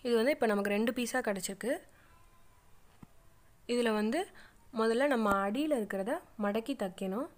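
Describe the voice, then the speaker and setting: A woman talks through a sewing tutorial in a voice-over, step by step. Her voice sits a little high, and she walks through each step in a plain, patient way, with frequent fillers. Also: moderate pace, long pauses. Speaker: craft channel host.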